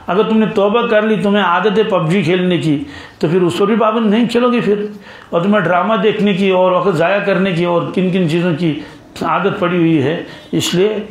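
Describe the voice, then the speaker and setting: High voiced guy teaching quran, gets the crowd to finish his lines, roomy echo. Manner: teaching with call-and-response, having listeners finish his sentences; quotes Arabic verses slowly, then explains them. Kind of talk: Quran commentary lesson.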